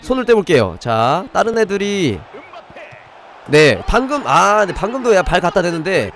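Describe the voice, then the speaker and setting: Lively high-pitched man streaming games. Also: moderate pace. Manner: talks to viewers, thanks donors. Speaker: game streamer. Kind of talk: live game commentary and tutorial. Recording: music behind the voice. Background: music.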